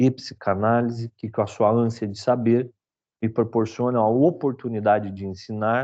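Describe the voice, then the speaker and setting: A man speaks at a moderate pace with fairly even intonation in an unremarkable speaking voice. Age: 50s. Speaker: psychoanalyst and teacher. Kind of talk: thesis presentation. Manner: formal.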